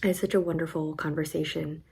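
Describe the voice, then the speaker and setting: A young woman teacher talking in a casual, emotional vlog, with a raspy voice and a soft, reflective way of talking full of fillers. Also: low-pitched, level tone, quick pace. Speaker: high school history teacher.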